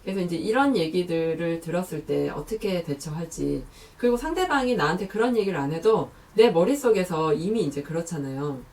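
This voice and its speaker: A woman giving psychology advice to camera, lively, who acts out the remarks she quotes. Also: fairly low pitch, fairly quick, hardly any pauses, distant mic.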